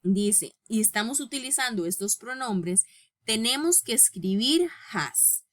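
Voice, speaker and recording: Woman, English teacher, unhurried, bright tone, patient step-by-step explanations. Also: fairly high pitch, expressive. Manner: reads English rules slowly and deliberately. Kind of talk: recorded grammar lesson.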